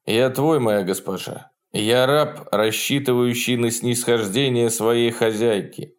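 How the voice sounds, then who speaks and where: A man's voice: mid-range voice, steady tone, a little slow, lightly acted. A male narrator voicing a young Soviet lieutenant who speaks earnestly and deferentially, in a near-natural voice, in an audiobook. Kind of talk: audiobook character voice.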